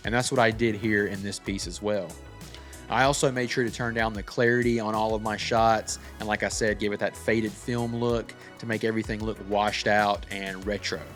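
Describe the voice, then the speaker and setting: A man's voice: on the low side, flat delivery, normal speed, fairly bright tone. A man giving a casual tutorial as a filmmaker, walking through how a short film was made. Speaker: filmmaker presenting a breakdown of their own short film. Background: background music.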